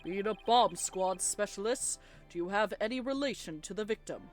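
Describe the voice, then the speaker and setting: A formal, authoritative judge from a courtroom game, read out by a woman. The delivery is measured and stern, easily puzzled, at a middling pitch. Game music runs behind. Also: close to an everyday voice.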